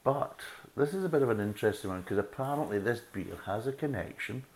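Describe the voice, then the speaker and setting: A man's voice: medium pitch, lively intonation, brisk. A middle-aged Scottish man hosting a beer review podcast, chatty and swearing freely as he talks. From Scotland. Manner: chatty, swears freely, laughs at own jokes. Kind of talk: casual chat.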